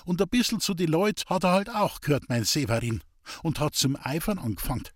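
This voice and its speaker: A man's voice: fairly high pitch, big pitch swings, a little fast, no room sound, clean studio sound, voice pushed up. A man voicing a weary, bitter old village woman speaking in Bavarian dialect in a storybook reading. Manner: plaintive, bitter, resigned.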